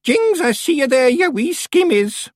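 A man's voice: extremely high pitch, very animated, normal speed, a bit bright, no echo, clean studio sound, pitched above the performer's own voice, full character voice. A man voicing a formidable old witch woman, bossy and sly, with a Scottish accent, in an audiobook story. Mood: commanding. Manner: bossy, barking orders.

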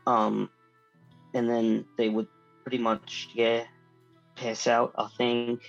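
A man's voice: medium pitch, completely flat delivery, slow pace, gravelly, highs cut off, soft background music. A man playing a tabletop game, talking hesitantly with lots of stammers and self-deprecating remarks. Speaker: player.

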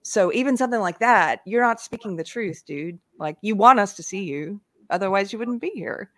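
A woman's voice: mid-range voice, animated, moderate pace, a bit bright, no echo, studio quality. A woman hosting a live online talk show, retelling events animatedly with frequent laughs. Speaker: livestream show host. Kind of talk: casual chat.

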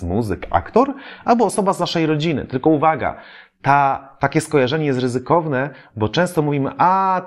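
A man talks through memory techniques like a trainer giving a lesson. His pitch moves a lot, rising sharply on key points. He often pauses with short filler sounds between phrases. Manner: explanatory, many filler "e" sounds, lively emphasis. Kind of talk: educational talk to camera.

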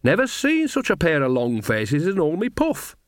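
A man's voice: a little high, huge pitch swings, normal speed, dry recording, clean studio sound, voice pushed up. A man voicing a cheery, earthy older woman witch with colloquial rustic grammar and a breezy, cajoling manner in an audiobook. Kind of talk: audiobook character voice.

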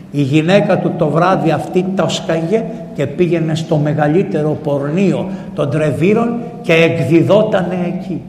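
A priest preaches to his congregation, telling the story in an animated, everyday way. His voice sits high for a man. The recording carries the roomy, long reverb of a church. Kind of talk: sermon.

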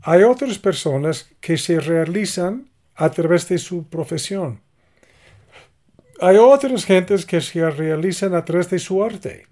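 A middle-aged man, calmly explaining parenting ideas in a casual conversation. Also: high voice, slow pace. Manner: calm, explanatory, acts out little example dialogues. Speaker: podcast co-host giving parenting advice.

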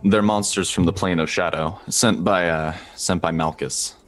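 A man playing a solemn male adventurer who speaks formally and earnestly, with some halting restarts. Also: low-pitched, fairly even intonation, natural voice.

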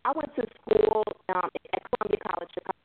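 A woman at mid pitch on a thin, crackly phone line that keeps fading out. She talks hesitantly, with plenty of fillers and restarts, and laughs at her own jokes. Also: animated, fast. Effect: crackly phone line that fades in and out. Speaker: musician guest. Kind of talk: phone interview.

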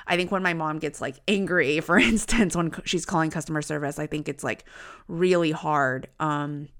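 A young woman co-hosts a podcast and tells a family story in a reflective, easygoing way. Her voice is low with a gravelly fry, and her speech stays clear and smooth. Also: normal speed, fairly bright tone. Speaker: podcast co-host. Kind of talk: casual conversation.

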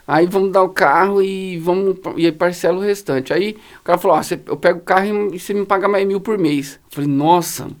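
A man with a Brazilian Portuguese accent, a pastor telling stories as a podcast guest in slangy, animated casual talk full of fillers. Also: sits high, fairly quick, few pauses. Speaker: guest, pastor running a social project. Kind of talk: casual storytelling in a podcast conversation.

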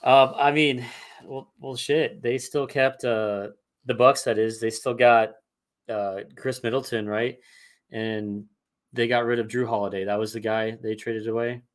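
A man's voice: mid-range voice, fairly even intonation, unhurried. A man co-hosting a sports show who jokes around and hesitates with lots of fillers. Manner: jokey, hesitant, many fillers. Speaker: podcast co-host. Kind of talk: casual sports chat.

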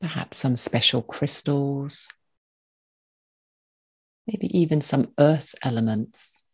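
A meditation guide giving slow, soothing spoken instructions in short, spaced phrases with a calm manner. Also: mid-range voice, slightly rough.

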